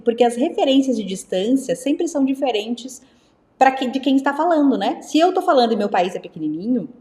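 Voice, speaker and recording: A young woman from teaching English live, lively and repeating words slowly for her students. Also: a little high, roomy sound. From Brazil. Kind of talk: live online English lesson.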